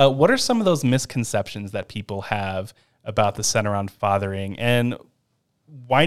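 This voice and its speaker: Speaking at a moderate pace with ordinary pitch variation, a man with an ordinary speaking voice and fairly low pitch is heard in a very clean recording with a silent background. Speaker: podcast host. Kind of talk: interview, scripted intro and casual questions.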